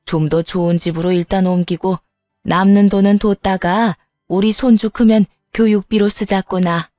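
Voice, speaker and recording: A woman's voice: medium pitch, fairly even intonation, normal speed, mellow, dry recording, clean studio sound, faint music behind, lightly acted. A woman voicing an older mother-in-law who speaks in a firm, scolding, old-fashioned way. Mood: coaxing.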